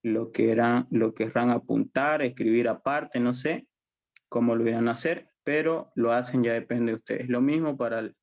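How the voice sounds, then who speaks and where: A man's voice: mid-range voice, steady tone, moderate pace, a little mellow. Patient Bolivian man teaching a class. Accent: Bolivian Spanish. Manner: patient, repetitive, checks understanding often. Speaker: university language teacher. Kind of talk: online class lecture.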